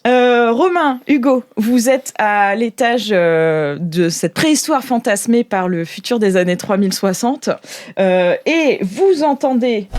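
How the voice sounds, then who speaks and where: A woman's voice: on the high side, a little mellow, no room sound. Woman game master, close and dry. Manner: hesitant, improvising as she describes scenes. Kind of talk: improvised narration of a tabletop role-playing game.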